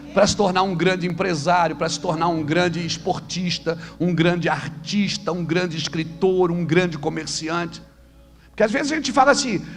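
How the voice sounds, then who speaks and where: A man, a pastor preaching a sermon to fellow pastors, acting out little dialogues and at times rising to shouts. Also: sits high.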